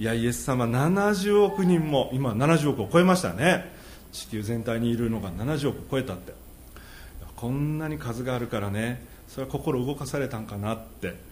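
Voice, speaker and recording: A man speaks at a medium pitch and moderate pace, his voice somewhat breathy and swinging very widely in pitch. Audible room echo surrounds him. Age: 40s. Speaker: pastor. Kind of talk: sermon. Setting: church.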